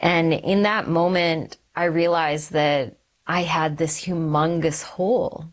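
A woman in her forties from Canada, an OB-GYN physician, telling her faith story in an interview in an earnest, reflective, measured way. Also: low-pitched, fairly even intonation.

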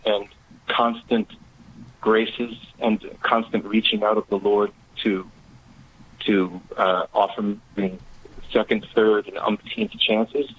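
A man calling in to a radio show, thoughtful and reflective, speaking in a halting way. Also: lowish voice, little pitch movement, slight background noise. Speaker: caller. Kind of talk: call-in phone conversation. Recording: phone line.

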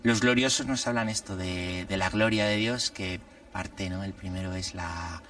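A priest talks through his thoughts one point at a time, with a low voice. He sounds slightly distant from the microphone. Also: fairly even intonation, normal speed, a bit bright, dry recording. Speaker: priest guest. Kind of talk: conversational religious commentary.

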